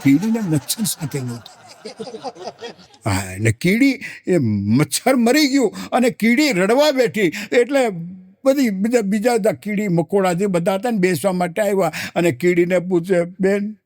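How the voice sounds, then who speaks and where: A man's voice: sits high, expressive, normal speed, a little mellow, dry recording, clean studio sound. A man doing a comic storytelling monologue as a humorist, chatty and addressing the audience directly. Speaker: stand-up humorist.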